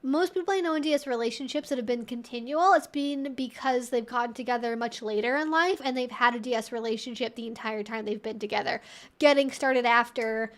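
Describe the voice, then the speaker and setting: A woman's voice: a little high, fairly quick. A woman hosting a casual educational livestream, explaining things conversationally with lots of "like" and "you know". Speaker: host of a live Q&A stream.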